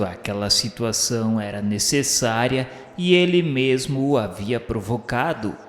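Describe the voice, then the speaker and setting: A man narrates a radio drama in solemn, literary phrasing. His mid-pitched voice rings with heavy echo and a long reverberant tail, with music playing behind it. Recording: echoing, reverberant hall sound with music. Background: background music.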